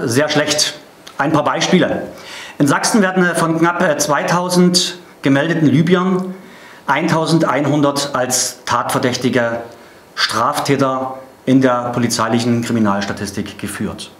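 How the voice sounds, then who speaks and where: A man's voice: mid-range voice, normal speed, fairly bright tone, echoey room. A middle-aged man delivering a political statement to camera as a party spokesman.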